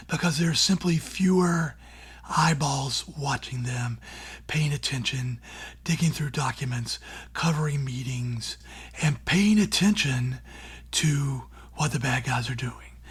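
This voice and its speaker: Raspy, breathy man speaking almost in a whisper. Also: medium pitch, a little slow. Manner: earnest and plainspoken, with many "you know" and "like" fillers. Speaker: radio show host and former newspaper columnist. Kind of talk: reflective interview answers.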